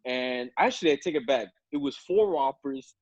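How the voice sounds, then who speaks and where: A man's voice: medium pitch, animated, normal speed, dry recording. A man in his late twenties hosts over a video call, spinning a story in an easy, laughing way. His mid-range voice sounds dry and slightly muffled, like a plain webcam mic. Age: 20s. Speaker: podcast host. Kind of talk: casual chat on a video call. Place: indoor room at home.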